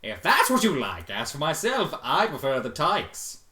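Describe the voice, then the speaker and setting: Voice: medium pitch, wildly swooping pitch, bright, forceful tone. A reader putting on a grand, lecherous rhyming zebra. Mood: smug. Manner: speaks in grand, drawn-out rhymes. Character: female zebra, smug lecherous rhyming mentor. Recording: echoey untreated room.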